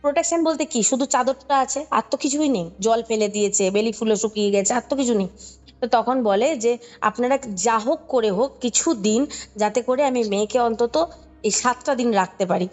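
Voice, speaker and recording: High-voiced Bengali woman telling a story. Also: a little fast, darkish tone, faint music behind. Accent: Kolkata Bengali. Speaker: podcast guest recounting a ghost story. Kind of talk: conversational spoken storytelling.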